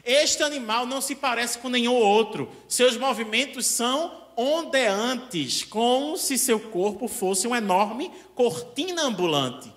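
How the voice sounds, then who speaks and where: A man voicing an irritated blind old wise man who scolds slowly. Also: extremely high pitch, animated, fairly bright tone, full character voice. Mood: scornful.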